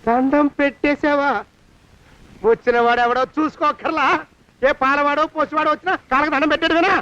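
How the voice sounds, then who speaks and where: A stingy, suspicious old master in a classic film, talking high and fast as he blusters and scolds. The sound is dull and lo-fi. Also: fairly even intonation, pushed and bright. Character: stingy scheming older man, bossy and jealous.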